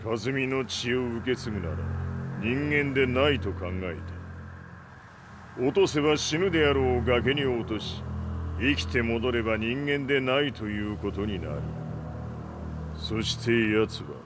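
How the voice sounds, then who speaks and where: An actor playing a ruthless old male martial arts patriarch in a game cutscene, with gruff, archaic old-man speech. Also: mid-range voice, animated, brisk, noisy background, natural voice. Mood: grave. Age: older. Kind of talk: dubbed game cutscene acting.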